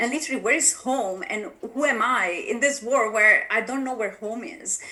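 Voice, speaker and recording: With an Italian accent, a woman speaks in a high pitch at a moderate pace, her pitch varying in an ordinary way. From Italy. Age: 40s. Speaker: life coach. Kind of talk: podcast interview. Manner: halting, many fillers.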